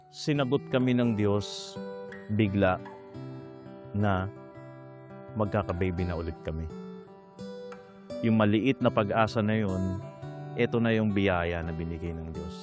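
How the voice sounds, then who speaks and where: A man's voice: fairly low pitch, a little slow, pauses often. A man with a Filipino accent giving an earnest, reflective personal testimony of faith. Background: guitar music.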